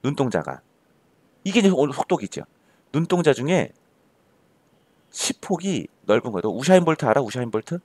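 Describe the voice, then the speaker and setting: A man's voice: medium pitch, big pitch swings, a little fast, pauses often, a little mellow, husky, no room sound. A male tutor giving an emphatic classroom lecture and firing rhetorical questions at his students. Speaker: Korean-language tutor.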